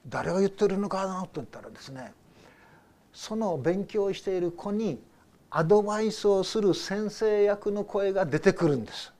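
An older male pastor preaching a sermon with a fairly high voice. He talks in a loose, conversational way, telling stories and putting questions to his listeners. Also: normal speed, a little mellow. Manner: conversational storytelling with rhetorical questions.

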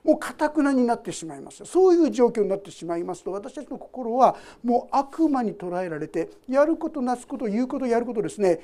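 A woman's voice: fairly high pitch, sing-song, fairly quick, hardly any pauses, dark tone. A woman pastor preaching a sermon. She reads scripture aloud, explains it, and talks to the congregation directly with questions.

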